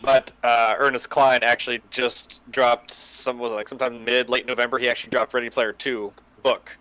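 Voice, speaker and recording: Bright, crisp-voiced man chatting casually. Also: mid-range voice, little pitch movement, moderate pace, no room sound, rough recording. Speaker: podcast panelist. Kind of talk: casual chat.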